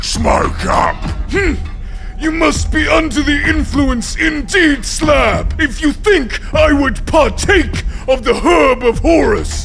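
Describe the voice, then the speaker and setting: A man's put-on character voice, extremely high-pitched and fairly slow, with clear music in the background. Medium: dub.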